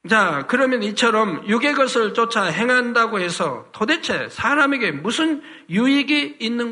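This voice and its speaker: High bright-voiced man preaching earnestly. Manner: earnest, full of rhetorical questions. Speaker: pastor. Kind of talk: sermon.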